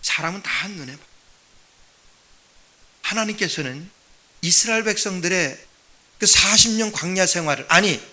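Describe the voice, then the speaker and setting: A pastor's sermon voice, male and pitched high for a man, with a very bright, forceful edge. He preaches emphatically, throwing questions at the congregation and answering them himself. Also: expressive, normal speed, long pauses. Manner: drops to a quiet, rambling aside when telling a personal story.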